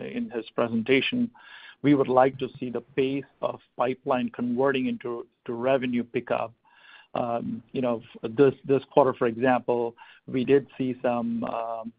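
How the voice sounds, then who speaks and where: A man speaking as a company executive on an earnings call, answering questions in a halting, measured business manner over a phone line. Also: mid-range voice, gravelly, no echo. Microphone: telephone. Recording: thin telephone conference line.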